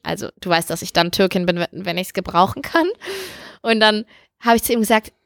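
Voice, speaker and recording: A woman's voice: medium pitch, fairly quick, creaky, fairly bright tone, no room sound, studio quality. A woman co-hosting a podcast, telling a funny anecdote in casual chat, giggly and self-mocking. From Turkish heritage. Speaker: podcast co-host.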